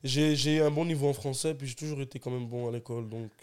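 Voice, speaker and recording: A man's voice: medium pitch, steady tone, fast talker, smooth. A young man, a rapper guest telling stories in casual, slangy podcast chat. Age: young adult. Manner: laid-back, slangy storytelling.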